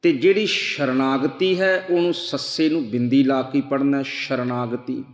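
A man preaching a Sikh scripture sermon, chanting verses slowly and then explaining them earnestly. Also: mid-range voice, reverberant, big-room sound. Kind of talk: slow devotional sermon.

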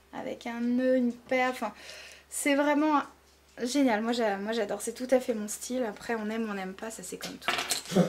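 A woman's voice: on the high side, a little hiss or hum. A woman vlogging casually, showing off jewelry with gushing enthusiasm and lots of fillers. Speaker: beauty vlogger. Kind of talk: casual show-and-tell.

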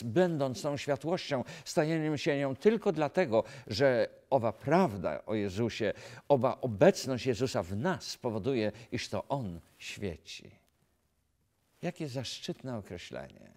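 A man in his fifties from Poland, a pastor giving an earnest sermon to camera in a studio, asking rhetorical questions, recorded on a lapel mic. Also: mid-range voice. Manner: earnest, animated preaching with rhetorical questions and gestures. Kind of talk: filmed sermon talk to camera. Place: dark studio set, indoors.

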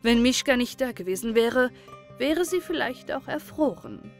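A woman storyteller calmly and expressively reading a holiday fairy tale as an audiobook, over faint music. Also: a little high, moderate pace. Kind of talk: scripted audiobook narration.

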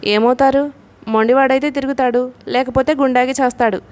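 A woman's voice: a little high, fairly even intonation, a little fast, a little mellow, natural voice. A woman reading a sneering young groom. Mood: scornful. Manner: sarcastic, dismissive. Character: scornful young groom, sarcastic and greedy.

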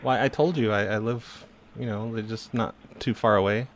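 A man making a prank phone call, talking in a deadpan, hesitant way. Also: on the low side, moderate pace, slight background noise. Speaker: prank caller.

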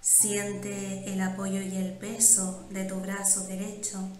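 A woman guiding a meditation in calm, measured instructions with pauses between phrases. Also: mid-range voice. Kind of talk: slow, soothing guided meditation. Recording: roomy, echoing sound.

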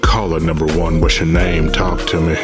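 A man playing a cocky, smooth-talking cartoon radio DJ with swaggering, slangy, crude patter. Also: extremely low pitch, flat delivery, normal speed. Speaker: radio host. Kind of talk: comic hip hop radio DJ patter. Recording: loud hip hop music behind. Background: hip hop music.

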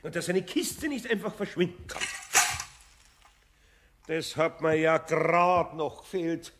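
A man's voice: on the high side, slow pace, background noise. A man playing a grumbling but good-natured older master carpenter with a Bavarian accent in an audio drama. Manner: muttering to himself, exclaiming.

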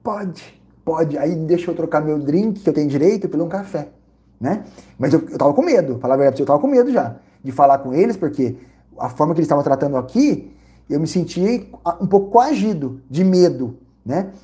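A Brazilian man vlogging casually, telling an animated, repetitive story with lots of exclamations. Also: on the high side, a little fast. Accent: Brazilian Portuguese. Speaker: vlogger reviewing credit card perks and hotels.

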